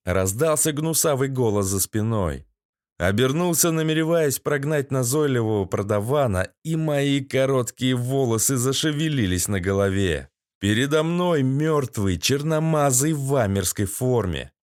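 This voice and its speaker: A man's voice: mid-range voice, lively intonation, a little slow, a little mellow, no echo, clean studio sound. A man reading a first-person audiobook in a gritty, sardonic storytelling manner. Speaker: audiobook narrator.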